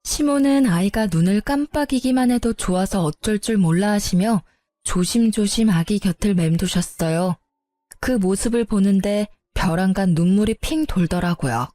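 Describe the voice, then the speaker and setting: A woman's voice: medium pitch, moderate pace, dark tone, dry recording, faint music behind. A woman narrating a first-person story in a confiding, resentful manner.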